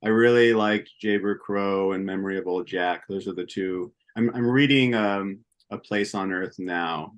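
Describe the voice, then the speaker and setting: A man hosting a podcast interview in casual chat, soft-spoken with brief replies. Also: low voice, moderate pace, few pauses. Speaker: podcast host.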